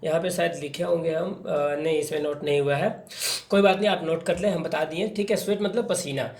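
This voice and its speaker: A man teaching an English textbook story, reading the English lines slowly and explaining them in a chatty way with many fillers. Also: on the high side, steady tone, gravelly, a little mellow, reverberant.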